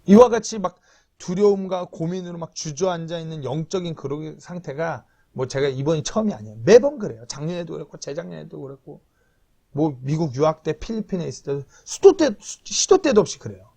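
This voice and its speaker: A man's voice: a little high, animated, fairly quick, creaky, mellow. A man in his thirties preaching an earnest, confessional sermon as a pastor, at times pleading.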